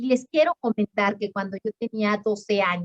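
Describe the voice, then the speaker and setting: A woman's fairly high voice with a Mexican accent, fairly even intonation, and a dry, close sound with no echo. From Mexico, Zacatecas. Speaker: judge. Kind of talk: interview.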